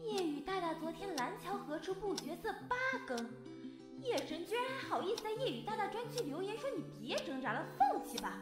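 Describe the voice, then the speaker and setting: A woman acting an excitable, indignant young internet fan in an audio drama, ranting in a shrill, exaggerated way. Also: a little fast. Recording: echoey, with music behind.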